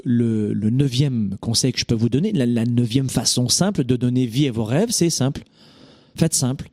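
A man with a French accent hosting a motivational talk, emphatic, asking rhetorical questions and pausing on hesitations. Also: mid-range voice, a little mellow, no echo, clean studio sound. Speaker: host and success coach.

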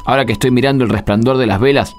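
An Argentine actor playing a thoughtful, conciliatory friend on a pilgrimage, colloquial and reflective, in a radio drama. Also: male voice, mid-range voice, fairly even intonation, rapid-fire, darkish tone, lightly acted. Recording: music behind the voice. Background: background music.

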